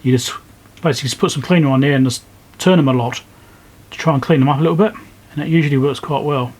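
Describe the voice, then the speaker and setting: A man's voice: mid-range voice, fast talker, darkish tone. A man talking casually and thinking aloud as he hosts a hands-on electronics repair walkthrough. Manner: informal, thinking aloud while working. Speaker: electronics repair video host. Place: indoor electronics workbench.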